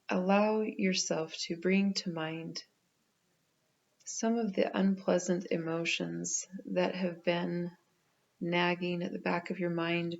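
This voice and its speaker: A woman guides a meditation in a lowish, very even voice. She speaks gently and very slowly, leaving pauses between phrases. The recording sounds slightly muffled and lo-fi. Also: creaky.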